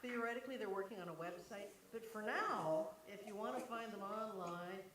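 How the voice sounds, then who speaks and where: A woman's voice: medium pitch, fairly quick. A woman hosting a live benefit concert, thanking people and introducing acts in a loose, chatty way with laughing asides. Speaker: emcee. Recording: distant, echoey hall with loud noise.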